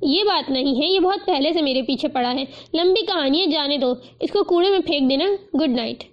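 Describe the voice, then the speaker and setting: A woman's voice: high-pitched, lo-fi sound, close to an everyday voice. A woman voicing a brusque, impatient young woman who speaks curtly in a storybook reading. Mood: curt, annoyed. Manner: curt, clipped.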